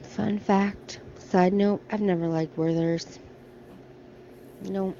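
Middle-aged American woman, casual shopping vlogger, mellow tone, chatty and offhand, phone mic with faint store ambience. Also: medium pitch, steady tone, slow, muffled recording, slight background noise. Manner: chatty, thinking aloud while browsing. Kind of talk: casual shop-with-me vlog. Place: large discount store aisles. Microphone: handheld phone camera.

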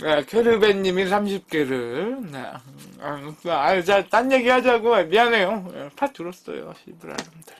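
A man in his thirties talks casually to his live stream audience, teasing and cursing as he argues with the chat. His voice sits high and swings widely between low mumbles and loud outbursts. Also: expressive, unhurried. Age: 30s. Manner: swears freely, teasing and bickering with chat. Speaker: live-stream eating show host.

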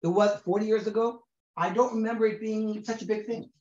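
A man's voice: high voice, fairly even intonation, a little mellow. A man in his forties, raised in Israel, giving a recorded class to a group in a conversational way, often restarting and repeating words. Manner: reads Hebrew sources aloud quickly. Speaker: rabbi teaching a class. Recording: roomy, dull lo-fi sound.

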